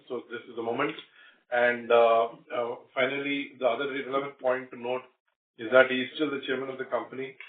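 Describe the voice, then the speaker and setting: A male company executive speaking haltingly on an earnings call, leaning on repeated filler phrases. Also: medium pitch, a little hiss or hum. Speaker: company executive answering analysts. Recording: roomy, distant phone-like conference line.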